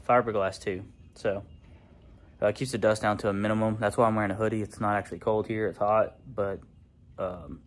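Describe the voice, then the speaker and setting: A man, talking through his garage fabrication work in a relaxed, rambling way, full of fillers. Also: fairly low pitch. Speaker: fabricator and channel host. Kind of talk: casual shop vlog. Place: garage workshop.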